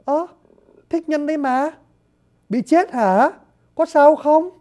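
A narrator voicing a lovelorn young woman who wails and laments in a high, sobbing voice. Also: animated, takes it slowly, warm tone. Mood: worried. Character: young lovelorn woman, tearful and self-pitying.

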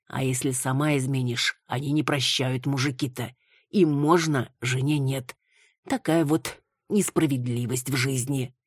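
A woman's voice: extremely low pitch, breathy edge, dry recording, studio quality, full character voice. A woman reading an audiobook, voicing a nosy elderly woman who lectures and gives advice. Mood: advising. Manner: lecturing, prying.

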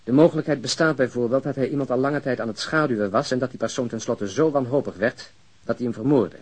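Casting: male actor as principled, blunt detective for crime radio play, probing and deliberate, slightly rough-edged voice. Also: medium pitch, a little mellow, close to an everyday voice. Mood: serious, probing. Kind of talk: Dutch crime audio drama acting.

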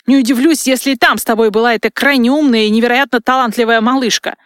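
Lady doing a hotheaded young crown prince guy, loud and raised, dry close sound. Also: on the high side, a little fast, no echo, close to an everyday voice. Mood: roaring. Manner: bewildered turning to roaring anger. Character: proud, hot-tempered young male crown prince.

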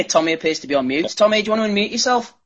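Male podcast host, chatty and fast, casual interviewing, slightly muffled call sound. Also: expressive, fairly bright tone. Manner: jokey, chatty. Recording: dull low-fidelity call audio.

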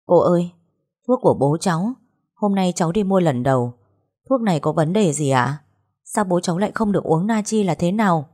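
Woman reading a nervous, deferential young daughter, low-pitched. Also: expressive, a little fast, dark tone. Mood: anxious. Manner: polite, hesitant. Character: anxious polite young woman, worried daughter.

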